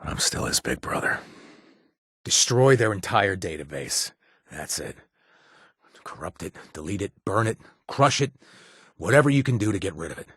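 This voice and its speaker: Game companion: deep, husky ex-raider, gruff but loyal, dry wit, close dry studio sound. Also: male voice, very animated, normal speed, long pauses, fairly bright tone, no echo, heavily acted. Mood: earnest. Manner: earnest and blunt, with dry humor. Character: former raider man, gruff but loyal, hunting for his lost brother. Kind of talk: video game voice acting.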